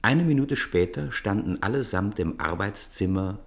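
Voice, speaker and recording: A man with a deep-set pitch tells a story as the narrator of a radio play. His reading is scripted literary narration. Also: expressive, normal speed.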